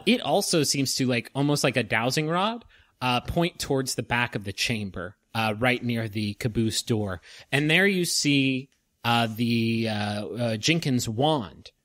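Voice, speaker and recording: A man's voice: mid-range voice, expressive, a bit bright, no echo. Male game master, dry close sound, stop-start narration, swears for laughs. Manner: halting narration full of uh and restarts, joking with swearing.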